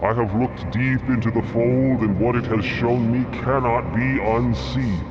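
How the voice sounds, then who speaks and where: A man's voice: medium pitch, a little slow, highs cut off, background noise, close to an everyday voice. A man playing a defiant, zealous alien prophet in an audio drama, declaiming in a grandiose, scornful way. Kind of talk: dramatic audio fiction acting. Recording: voice over prominent music.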